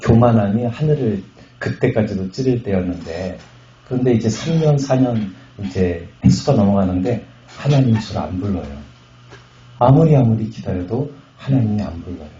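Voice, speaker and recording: A middle-aged man from Chungcheong Province, a pastor giving a testimony sermon at a revival meeting, telling his story with jokes and loud bursts. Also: on the low side, expressive, normal speed, slight background noise. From Chungcheong Province, Korea. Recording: echoey hall, slightly muffled sound.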